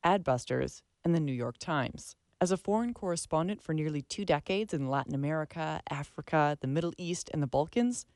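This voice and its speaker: A woman's voice: sits low, lively intonation, a little fast, few pauses, a little mellow, dry recording, studio quality. A woman hosting a radio arts show, reading scripted narration.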